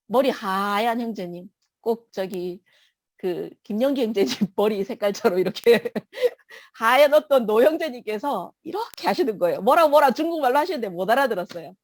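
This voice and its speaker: A woman's voice: fairly high pitch, dry recording. A woman giving an emotional personal testimony in church, telling her story vividly.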